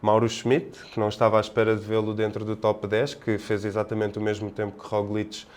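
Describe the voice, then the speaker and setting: A man with a European Portuguese accent chats through sports analysis on a podcast panel. His voice is smooth and fairly low, and he talks in a halting, roundabout way. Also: completely flat delivery, darkish tone.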